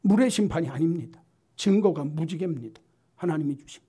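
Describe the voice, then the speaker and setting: A male pastor preaching a sermon emphatically, building up to loud, forceful lists. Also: on the high side, brisk, breathy edge. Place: church sanctuary.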